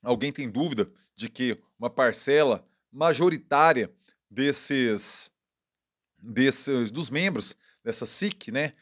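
A man with a Brazilian Portuguese accent doing casual political commentary as a channel host, indignant and wry, with quick self-corrections. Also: medium pitch, expressive, fairly bright tone.

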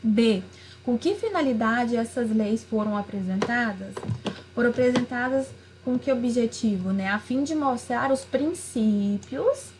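A woman's voice: a little high, a little slow, a little mellow, a little hiss or hum. A woman literature teacher in a recorded video lesson, reading each question aloud and then explaining its answer, with many small fillers. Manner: frequent fillers like "né" and "aí". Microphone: screen recording over a worksheet.

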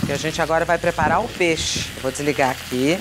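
A woman's voice: sits low, fairly quick, noisy background. A woman in her fifties hosting a cooking show, talking viewers through a recipe in a chatty way and often checking in with them. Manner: chatty, addresses viewers directly with frequent tag questions. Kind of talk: casual cooking demonstration. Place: indoor studio kitchen set.

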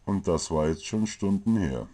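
A man's voice: sits low, expressive, moderate pace, noisy background. A man narrating a comic fantasy story from a script.

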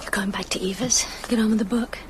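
An actress plays a caring young woman in a radio drama. She speaks softly and tenderly at a medium pitch, with clear ambient noise behind her. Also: steady tone, quick pace, lightly acted. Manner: soft, gently questioning.

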